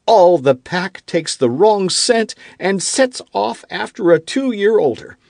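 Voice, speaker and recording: A man voicing a fretful, self-pitying king who turns irritable and accusing, with a high, whiny, petulant voice in an audiobook. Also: expressive, takes it slowly, gravelly, darkish tone, no echo, clean studio sound, heavily acted. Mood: complaining. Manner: rising into indignant outbursts. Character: fretful, self-pitying middle-aged king, quick to anger. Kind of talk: audiobook character reading.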